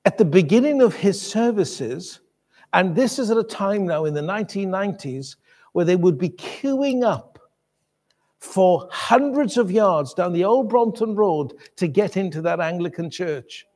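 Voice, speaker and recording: High-voiced preacher in a reverberant hall. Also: male voice, expressive, a little slow, a little mellow. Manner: conversational, many restarts and asides to the congregation. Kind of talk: sermon. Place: church.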